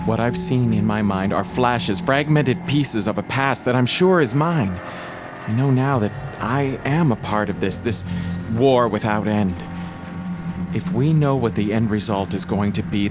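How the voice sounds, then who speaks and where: A man's voice: lowish voice, natural voice. An actor playing an earnest, troubled man in an audio drama, grave and insistent.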